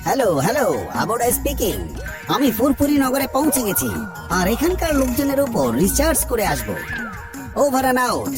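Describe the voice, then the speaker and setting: A woman's voice: high voice, big pitch swings, normal speed. A woman voicing a scheming male alien in a cartoon dub, muttering to himself as he sizes up people to research. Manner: muttering "hmm" while scheming. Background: music.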